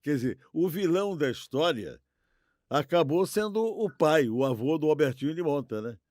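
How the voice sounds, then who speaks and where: An older man with a Brazilian Portuguese accent chatting casually as a podcast co-host, halting and repeating words, often seeking agreement. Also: on the high side, sing-song, a little mellow, dry recording, studio quality. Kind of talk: casual chat.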